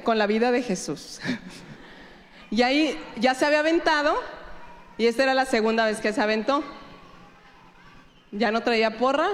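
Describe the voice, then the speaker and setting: A woman addresses a church audience with a high voice. She tells stories with animation, often turning to the listeners with questions. The sound carries a long echo, as if from a big hall. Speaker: preacher. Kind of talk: church talk.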